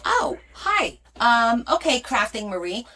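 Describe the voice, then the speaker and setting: A woman's voice: on the high side, slow pace, faint music behind. A woman from Portugal raised in New Jersey, with a light New Jersey accent, hosting a casual crafting livestream and chatting with viewers. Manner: chatty, reads viewer comments aloud, lively rises and soft asides. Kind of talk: casual chat while crafting.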